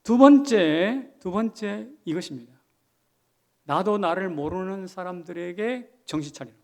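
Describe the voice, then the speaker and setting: A man's voice: high-pitched, lively intonation, a little slow, vocal fry, a little mellow. A man, a senior pastor, preaching a sermon emphatically and putting questions to the congregation. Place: church sanctuary.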